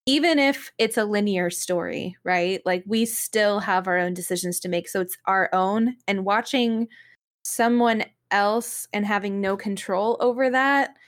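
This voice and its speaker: A woman's voice: mid-range voice, a little slow. A woman in a casual podcast discussion, giving earnest, emphatic opinions with frequent asides. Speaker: podcast panelist.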